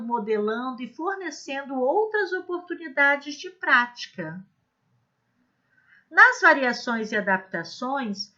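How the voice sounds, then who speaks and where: A woman teaching how to run early literacy activities, speaking slowly and demonstrating each step clearly. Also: a little high, bright, forceful tone, highs cut off. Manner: slow, clear, demonstrative teaching with modeled examples. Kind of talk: instructional video lesson.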